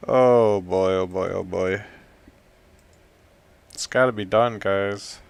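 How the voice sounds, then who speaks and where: A man giving casual commentary while browsing, thinking aloud in an excitable way and often trailing off quietly. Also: sits low, slow, creaky, clean tone, dry recording. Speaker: hobbyist game developer. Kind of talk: casual screen-recording commentary.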